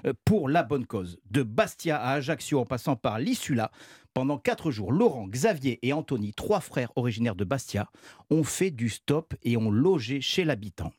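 Man, radio columnist, jokey, dry close sound, husky. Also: medium pitch, dry recording. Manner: jokey, animated, laughs at his own puns. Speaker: good-news columnist on a radio show. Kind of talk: playful radio chat segment.

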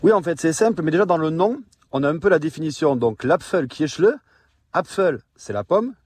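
A man's voice: a little high, expressive, brisk, darkish tone, breathy edge, no room sound. A man with a Toulouse accent, a chef on a radio show, walking through a recipe with enthusiasm. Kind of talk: radio cooking segment chat.

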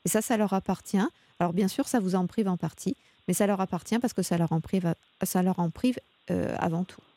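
Woman, radio advice host, calm and measured, dry close studio sound. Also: on the low side, dry recording. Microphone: studio mic.

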